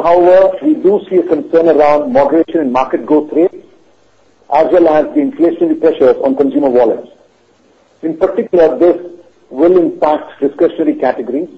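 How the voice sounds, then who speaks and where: A man with an Indian accent giving a formal, measured corporate earnings presentation as a company finance executive. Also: a little high. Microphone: conference call line. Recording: dull lo-fi conference call audio.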